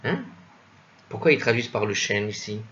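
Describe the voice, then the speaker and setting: A man's voice: lowish voice, expressive, fairly bright tone, highs cut off. Hesitant man reading and musing aloud. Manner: thinks aloud, hesitant, many self-corrections and asides; spells out Hebrew and Old French words slowly. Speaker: Talmud study teacher. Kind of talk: casual commented reading of a text.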